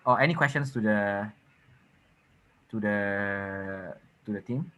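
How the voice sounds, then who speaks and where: A man's voice: fairly low pitch, takes it slowly, fairly bright tone, poor audio. A man moderating a competition's judging panel over a video call, upbeat and encouraging.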